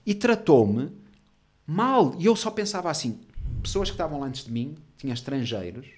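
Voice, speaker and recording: A man's voice: on the high side, very animated, normal speed. A man with a European Portuguese accent telling an indignant story in a casual chat.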